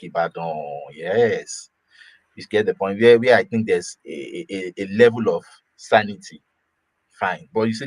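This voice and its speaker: A man from Nigeria talks casually. His voice sits at an ordinary pitch, and the sound is dry and close. He trips over his words, repeats himself and laughs lightly as he goes. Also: no room sound, poor audio. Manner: repeats and restarts words, laughs mid-sentence. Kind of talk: casual opinion talk.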